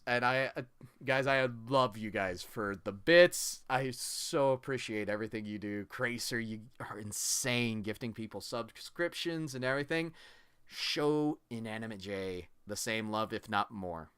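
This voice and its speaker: Bright, crisp-voiced male streamer. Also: medium pitch, a little slow, no echo, clean studio sound. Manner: earnest, thanking viewers. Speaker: livestream host. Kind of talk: casual livestream chat.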